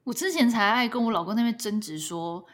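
A woman from Taiwan living abroad, co-hosting a podcast in casual, animated chat and laughing often. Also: a little high, a little fast. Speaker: podcast co-host. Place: lives in Canada.

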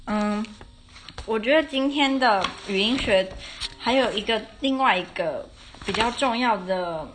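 Chatting on her own podcast about her classes, this young adult woman has a mid-range, fairly bright voice. There's a little hiss or hum behind her, and she keeps correcting herself and laughing occasionally.

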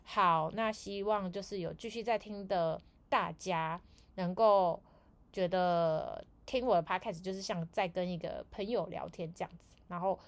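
A woman's voice: lowish voice, unhurried. A woman hosting a casual solo podcast, telling rambling stories full of fillers. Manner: rambling storytelling with many fillers. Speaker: podcast host.

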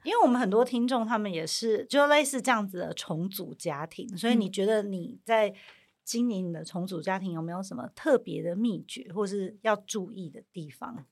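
A woman's voice: mid-range voice, brisk. A woman hosting a podcast, asking questions, teasing her guest and laughing. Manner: asks questions, teases, laughs. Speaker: podcast host, doctor. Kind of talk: casual interview chat.

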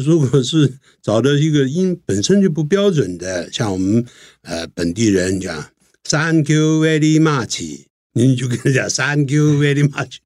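Lively older male English teacher. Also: mid-range voice, dry recording, clean studio sound. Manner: explains pronunciation with lively spelled-out examples. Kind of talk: casual teaching chat.

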